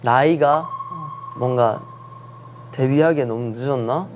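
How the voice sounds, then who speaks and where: Low-voiced young woman with regional accent. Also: a little slow, a little hiss or hum. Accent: Korean regional dialect. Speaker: guest. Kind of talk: casual interview chat.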